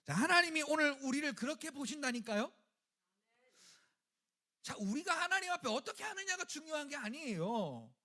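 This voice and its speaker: A male pastor preaches in a high, lively voice that jumps up and down, at a moderate pace with frequent pauses. His style is everyday and conversational; he acts out quoted lines with swings in loudness and jokes with the congregation.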